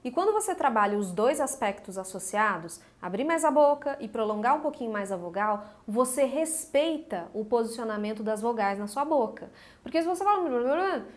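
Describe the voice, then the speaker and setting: A woman from Minas Gerais with a Mineiro accent, giving a lively, emphatic video lesson as a speech coach, with humorous asides. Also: fairly high pitch, moderate pace, hardly any pauses. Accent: Mineiro Brazilian Portuguese. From Minas Gerais, Brazil.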